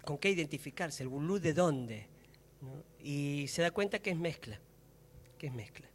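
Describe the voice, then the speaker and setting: A man's voice: fairly high pitch, expressive, normal speed, slight background noise. A man with an Argentine accent in a reflective public conversation about theatre, hesitant and searching for words as he thinks aloud. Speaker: actor and theatre maker. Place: public talk in a hall. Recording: reverberant hall.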